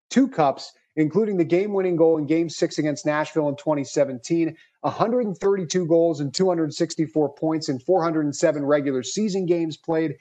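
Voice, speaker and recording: A man's voice: fairly high pitch, dark tone. Upbeat male podcast host. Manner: upbeat, fluent, reading a script. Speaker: podcast host and hockey reporter. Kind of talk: scripted podcast narration.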